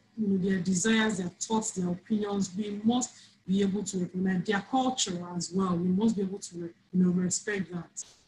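In a Nigerian accent, a woman speaks at a moderate pace with a dark, mellow, somewhat breathy tone and ordinary pitch variation. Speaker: HR professional; guest. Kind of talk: interview. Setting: video call. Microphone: video call.

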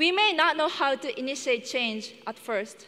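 Her voice is high-pitched, with a bright, sharp tone.

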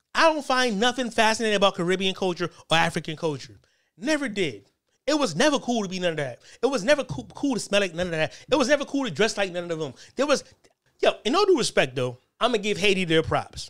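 Over a quiet background, a man talks very fast in an animated tone, his high pitch making very wide swings. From US. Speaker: political commentator. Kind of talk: heated rant. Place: home room. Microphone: studio mic.

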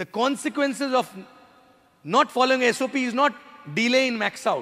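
Against a quiet background, a man speaks at a fairly slow pace. His pitch is extremely high, with ordinary pitch variation. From India, Jabalpur, Madhya Pradesh; Madhya Pradesh, India. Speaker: network marketing leader; motivational speaker. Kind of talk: motivational talk. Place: hall. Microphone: handheld.

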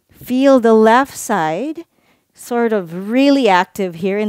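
Against a quiet background with a dry sound and no echo, a woman speaks at a fairly high pitch in a warm, upbeat tone with lively intonation. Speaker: yoga instructor. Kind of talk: guided vinyasa yoga class with breath-cued pose instructions. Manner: brisk, rhythmic cueing paced to the breath; warm, encouraging and upbeat. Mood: calm, encouraging. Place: home room.

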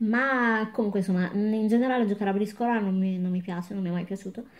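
Her voice is somewhat breathy, with ordinary pitch variation. The woman speaks at a fairly quick pace. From Italy, Ferrara (Emilia-Romagna); Emilia-Romagna, Italy. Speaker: YouTuber; vlogger. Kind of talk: casual vlog chat. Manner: spontaneous, hesitant. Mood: relaxed, chatty. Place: home room. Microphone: webcam.

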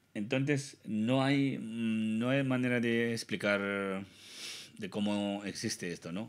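A man speaks at a very slow pace in a Tibetan accent. His intonation is fairly even, and he hardly pauses at all. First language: Tibetan (speaking Spanish). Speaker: Buddhist teacher. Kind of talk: dharma teaching. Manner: halting, broken Spanish. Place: hall. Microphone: podium.

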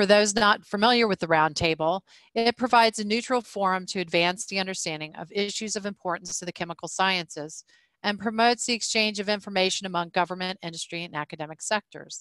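Speech comes at a very fast pace. The background is quiet. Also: dry sound with no echo. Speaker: webinar host. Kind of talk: formal welcome remarks. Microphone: video call.

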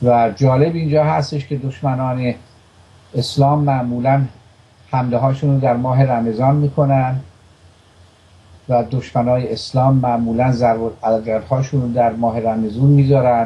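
A somewhat breathy male voice with long, frequent pauses. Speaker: TV commentator. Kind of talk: religious talk to camera. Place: studio.

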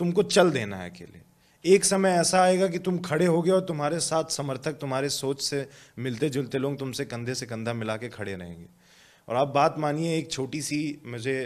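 A man with a fairly high pitch at a moderate pace, lively intonation and big swings in loudness. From Rewa district, Madhya Pradesh (Baghelkhand); Madhya Pradesh. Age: 20s. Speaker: election candidate. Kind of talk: interview. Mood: calm, reflective. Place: home room. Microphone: handheld.

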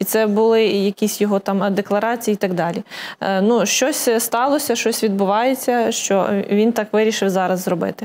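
A woman speaks in an ordinary speaking voice, pitched in the middle for a woman, at a moderate pace. Her intonation is fairly even and her loudness stays very even throughout. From Lutsk, Volyn, Ukraine; Volyn, Ukraine. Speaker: city council member; city council deputy, guest. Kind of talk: studio talk show discussion. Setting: TV studio. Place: studio. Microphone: lapel.

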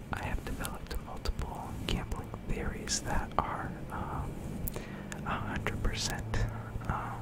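Over loud background noise, a soft-spoken man whispers at a very slow pace. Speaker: ASMR streamer. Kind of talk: soft ASMR chat and self-promotion. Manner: soft close-mic ASMR whisper. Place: home room. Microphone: studio mic.

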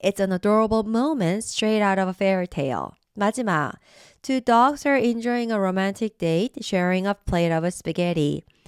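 A woman with an ordinary speaking voice talks at a fairly slow pace with medium pitch, lively intonation and very even loudness. The sound is dry and close with no echo, in a very clean recording with a silent background. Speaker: English teacher. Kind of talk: tutorial; reading aloud.

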